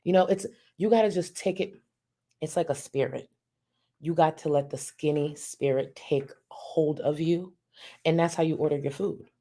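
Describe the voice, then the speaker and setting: Deep-voiced, blunt woman streamer. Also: normal speed, mellow. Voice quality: naturally deep voice. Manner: blunt, profane, mocking. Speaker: streamer, commentary host. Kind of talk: live reaction commentary.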